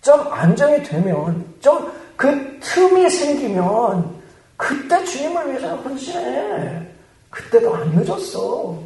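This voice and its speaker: A pastor voicing a sly male devil who whispers coaxing temptations in a soft, wheedling voice. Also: extremely high pitch, very animated, slow, vocal fry, heavy reverb, distant mic, exaggerated voice, poor audio. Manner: wheedling, persuasive.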